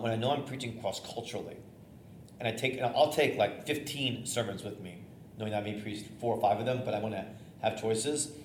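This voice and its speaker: A middle-aged man, a theater-trained bishop with a loud voice, teaching preachers in a conversational, energetic way with fillers and restarts. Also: lowish voice. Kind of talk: informal teaching talk on preaching. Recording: echoey room, faint noise.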